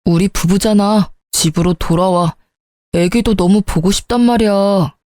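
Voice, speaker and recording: Woman reading as a begging, remorseful young husband, coaxing and low, mellow voice, dry close sound, storybook reading. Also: measured pace, no room sound, natural voice. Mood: pleading.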